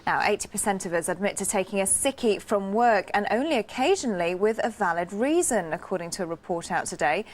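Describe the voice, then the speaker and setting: A woman presenting a morning news bulletin in crisp, measured scripted reading. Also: mid-range voice, expressive, a little hiss or hum.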